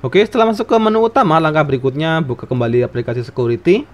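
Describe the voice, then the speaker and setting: A man's voice: fairly high pitch, rapid-fire. Man narrating a phone tutorial. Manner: steady, step-by-step instructional reading. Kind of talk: scripted tutorial voice-over. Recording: voice-over with faint background music.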